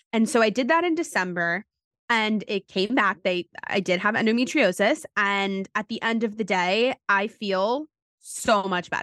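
With a normal speaking voice and an American accent, a woman speaks at a fairly slow pace in a fairly high pitch with lively intonation, the sound dry and close with no echo and a quiet background. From New York City. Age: 20s. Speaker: author and model. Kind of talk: interview.

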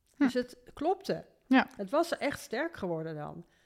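The voice belongs to a woman. Her pitch moves through very wide swings. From northeastern Netherlands, Groningen. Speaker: children's coach. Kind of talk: casual interview.

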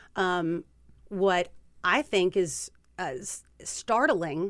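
A woman with a Kentucky accent speaks at a fairly low pitch, her pitch varying in an ordinary way. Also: very clean recording, silent background. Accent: Kentucky Southern. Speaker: criminal justice reform advocate. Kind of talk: political interview.

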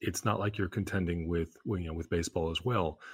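The recording is very clean with a silent background, carrying a man whose voice is somewhat breathy. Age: 50s. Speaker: NBA journalist and podcast co-host. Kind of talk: casual sports chat. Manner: hesitant, with frequent fillers and repeats.

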